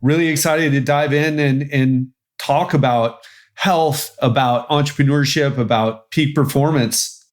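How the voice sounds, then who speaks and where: A man's voice: medium pitch, steady tone, unhurried. A man hosting a podcast, introducing his guest in an upbeat, enthusiastic way. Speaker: podcast host. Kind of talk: podcast interview.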